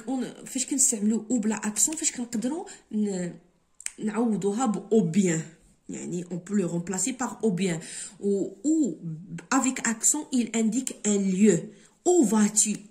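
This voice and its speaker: Woman, Moroccan accent, teacher, exam review, slow dictation-style examples, fast asides, mellow tone. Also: medium pitch. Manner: switches between slow dictation-like French and quick Darija explanations.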